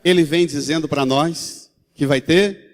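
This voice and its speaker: Priest preaching in a reverberant church. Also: male voice, fairly high pitch, measured pace. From Brazil. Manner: storytelling, animated, with colloquial asides. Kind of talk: sermon. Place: large church. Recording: long hall reverb.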